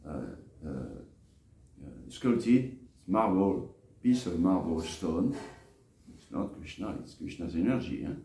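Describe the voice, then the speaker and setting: Halting, mellow-voiced man preaching in echoey room. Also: sits low. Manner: halting, hesitant, with frequent pauses and repeats. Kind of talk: scripture lecture to devotees. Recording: echoey room with faint background noise.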